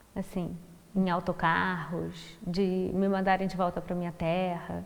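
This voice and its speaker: The speech comes in a Brazilian accent at a fairly slow pace. Its intonation is monotone and flat. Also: woman, fairly low pitch for a woman. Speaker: writer and researcher. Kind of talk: interview.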